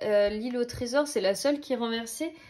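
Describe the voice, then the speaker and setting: A woman speaks in a high voice with ordinary pitch variation, recorded very cleanly against a silent background. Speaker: tarot reader. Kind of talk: tarot reading. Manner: animated.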